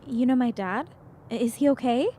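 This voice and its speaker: A woman's voice: a little high, moderate pace, dark tone, slight background noise, natural voice. A woman playing a concerned young traveler in an audio drama, with natural, everyday delivery. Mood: guarded, anxious. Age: young adult. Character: concerned young traveler, warm with friends, guarded with strangers.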